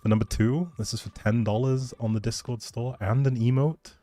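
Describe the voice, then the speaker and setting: Over soft background music, a livestream host talks in a steady, dark-toned, mid-range voice at normal speed. His chat is loose and informal, like casual talk with viewers, and includes a giveaway announcement.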